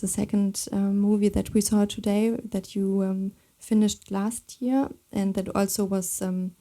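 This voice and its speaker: A woman moderating a live panel conversation, phrasing her questions in a halting, hesitant way. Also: mid-range voice, little pitch movement, mellow.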